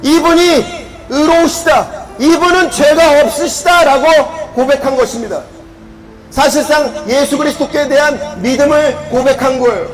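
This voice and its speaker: A man preaching a street sermon outdoors, emphatic and sometimes shouting, with music faint behind him. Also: very high voice, normal speed, rough recording. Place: outdoors at a station plaza.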